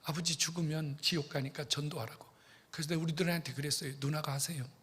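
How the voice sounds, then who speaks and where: A middle-aged male pastor telling a story in a sermon, dropping to hushed whispers and then bursting out loud, repeatedly speaking straight to the congregation. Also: on the high side, fairly even intonation, fast, husky. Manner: dramatic, swings between hushed whispers and sudden loud bursts; addresses congregation directly, repeats phrases. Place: church sanctuary. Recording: long church reverb.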